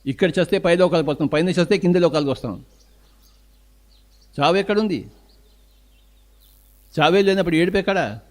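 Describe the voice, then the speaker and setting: A man's voice: high-pitched, lively intonation, normal speed, long pauses. A man giving a spiritual discourse, emphatic, answering his own rhetorical questions. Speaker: spiritual teacher.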